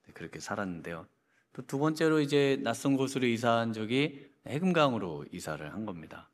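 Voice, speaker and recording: Male pastor, middle-aged, low-ish, conversational sermon with frequent fillers, echoing sanctuary. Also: fairly bright tone. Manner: conversational storytelling with many fillers. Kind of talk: Friday prayer meeting sermon. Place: church sanctuary. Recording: church hall reverb.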